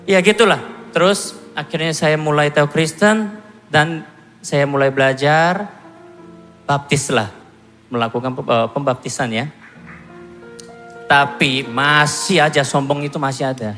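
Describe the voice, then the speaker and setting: A man in his thirties from Korea, giving a self-mocking, animated church testimony. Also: fairly high pitch, unhurried, long pauses. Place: church hall. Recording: long hall reverb with music behind.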